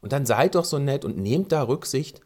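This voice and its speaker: Animated man giving casual dog-owner advice. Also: medium pitch, normal speed. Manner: animated, acts out little dialogues, frequent ums and restarts. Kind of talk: casual spoken advice talk.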